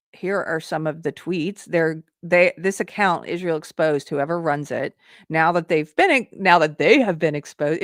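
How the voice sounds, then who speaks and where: A woman's voice: lowish voice, no echo, clean studio sound. A woman hosting a casual commentary show, thinking aloud with restarts and reading posts aloud as she comments on them. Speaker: host.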